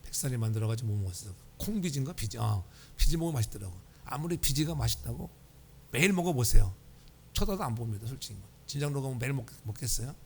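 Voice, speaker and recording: A man's voice: mid-range voice, animated, fast, darkish tone, a little hiss or hum. A man preaching a Sunday sermon in a church, telling humorous stories and asking the congregation for responses. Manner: humorous storytelling. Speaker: pastor. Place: church sanctuary.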